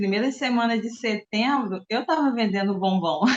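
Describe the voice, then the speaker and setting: A woman in a northeastern Brazilian accent speaks at a fairly slow pace with ordinary pitch variation. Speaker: confectioner, customer giving testimonial. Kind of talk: testimony. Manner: hesitant, with fillers.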